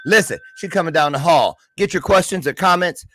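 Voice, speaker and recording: Exuberant man hosting, fairly high voice. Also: a little fast, very noisy. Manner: exuberant, slangy, playful. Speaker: show host. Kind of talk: livestream interview, casual chat.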